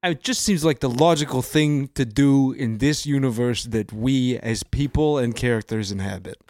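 Male co-host, incredulous and quick, mid pitch, dry sound. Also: darkish tone, no echo. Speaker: podcast co-host. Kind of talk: comedic banter.

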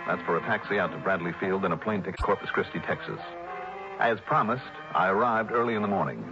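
A man's voice: deep voice, animated, fast talker, music in the background. An actor playing a breezy, joking insurance investigator in a 1960s radio drama, also narrating his expense report. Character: wisecracking male insurance investigator. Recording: dull vintage radio broadcast with faint hiss.

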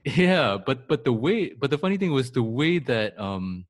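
A man's voice: medium pitch, lively intonation, moderate pace, dry recording, clean studio sound. A man, a guest on a podcast, talking in a rambling way with many restarts. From Singapore. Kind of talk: casual interview.

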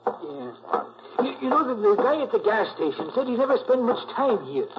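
An actor playing an excitable, hungry detective's sidekick in a 1940s radio drama, with slangy, stammering speech. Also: male voice, extremely high pitch, moderate pace. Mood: uneasy. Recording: dull, faintly noisy 1940s radio recording.

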